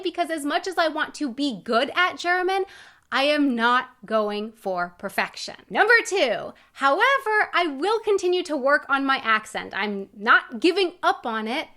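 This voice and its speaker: An American woman in her thirties talking earnestly to her viewers in a personal vlog, encouraging and emphatic. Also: high voice. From United States. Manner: warm, encouraging, lively emphasis. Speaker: vlogger.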